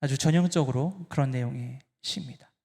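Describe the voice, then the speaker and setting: A man preaching a sermon as pastor, talking straight to the congregation and swinging between hushed and loud. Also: medium pitch, brisk, vocal fry. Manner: addresses the congregation directly.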